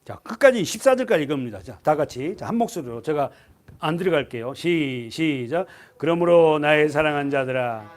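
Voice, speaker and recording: High-voiced emphatic Korean pastor preaching. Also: male voice, big pitch swings, fairly quick. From South Korea. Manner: emphatic preaching, rhetorical questions to the congregation. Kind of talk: sermon. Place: church sanctuary.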